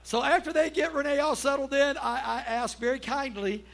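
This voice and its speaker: A man's voice: very high voice, brisk, creaky, fairly bright tone, low-quality recording. A middle-aged man, a pastor, preaching to a church congregation in a folksy, storytelling way, often checking in with the crowd, then leading a prayer. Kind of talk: conversational sermon and prayer.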